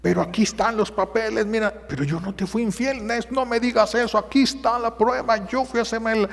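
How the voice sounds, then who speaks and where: A distressed young mother pleads in a high, strained voice, insisting on her innocence, as a preaching man acts her out. The voice rides a lifted register and rings with a long reverb, as in a big church. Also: steady tone, a little fast, vocal fry. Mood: pleading. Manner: pleading, raised-pitch retelling.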